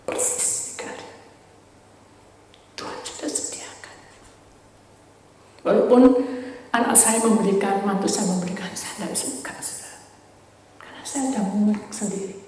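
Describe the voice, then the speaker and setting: An older woman pastor preaches and gives testimony, jumping from loud cries to hushed, almost whispered lines. Her voice is middle-pitched and reaches the mic from some distance. A large hall's long reverb hangs on every phrase. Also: slight background noise. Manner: swings from loud exclamations to hushed near-whispers. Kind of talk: sermon with personal testimony. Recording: echoey hall from far off.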